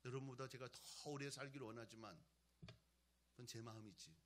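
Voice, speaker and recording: Preaching briskly in a medium-pitched voice, a male pastor shifts between loud exhortation and quiet, conversational storytelling during his sermon.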